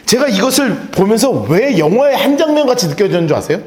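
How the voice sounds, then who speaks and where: A middle-aged male pastor preaches a chatty sermon in a high, very lively voice. He talks straight to the congregation and laughs between his points. The sound carries the echo of a large church hall. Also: quick pace. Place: church sanctuary. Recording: roomy church reverb.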